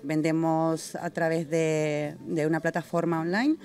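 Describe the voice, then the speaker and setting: A woman, a brand founder, answering questions in a relaxed, slightly hesitant way. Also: low-pitched, measured pace. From Argentina. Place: indoors in a busy restaurant. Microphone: handheld mic held by interviewer.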